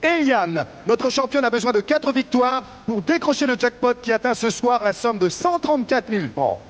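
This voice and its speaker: A man reading a scripted TV announcement introducing quiz contestants, measured and announcing. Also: very high-pitched, sing-song, slight background noise. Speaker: TV continuity announcer.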